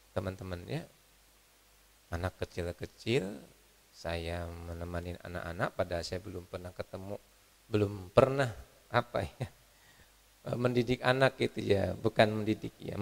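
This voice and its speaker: A man preaching an online Ramadan sermon, moving between loud fervent exhortation and soft, intimate talk. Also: on the low side, gravelly, big-room sound. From Indonesia.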